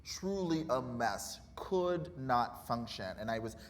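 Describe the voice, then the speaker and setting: A man's voice: mid-range voice, expressive, slow pace. A man in his thirties, an author guest in a live interview, talking candidly and animatedly, laughing often and acting out remembered conversations. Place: college auditorium. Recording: reverberant hall with faint noise.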